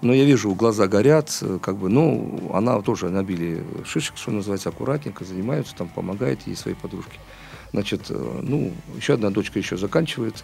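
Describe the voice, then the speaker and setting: A man's fairly low voice at a fairly quick pace, with very wide pitch swings. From Baku, Azerbaijan. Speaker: city government official. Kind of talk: interview. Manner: hesitant, with fillers.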